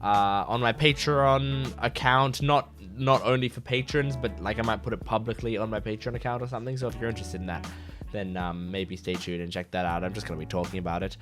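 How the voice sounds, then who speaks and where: A man who runs an anime reaction channel, talking casually to his viewers while sick, so his voice is gravelly and raspy and he coughs, rambling with many fillers and bursts of excitement. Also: lowish voice, brisk, over music. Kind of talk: casual chat to camera, reacting to an episode.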